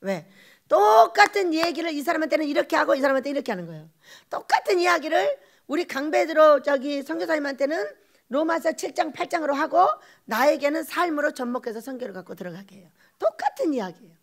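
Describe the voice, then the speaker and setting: A woman pastor preaches with a high voice that swings widely in pitch. She presses her points with quick rhetorical questions and laughing asides. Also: expressive. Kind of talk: sermon.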